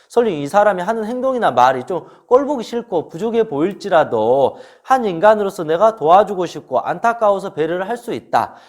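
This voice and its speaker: A man giving a relationship lecture in an emphatic, teaching manner, often asking rhetorical questions. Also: high-pitched. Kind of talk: spoken lecture to camera.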